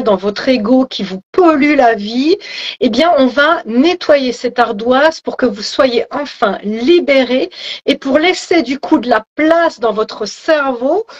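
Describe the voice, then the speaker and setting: A woman leading a guided relaxation in a calm, guiding way with soft fillers. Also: high voice, highs cut off. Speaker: spiritual coach leading a ritual.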